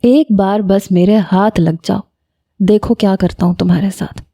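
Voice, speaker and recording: Woman voicing a teasing young man, playful, mock-complaining, dark tone. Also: mid-range voice, steady tone, no echo, clean studio sound, lightly acted. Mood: mock-threatening.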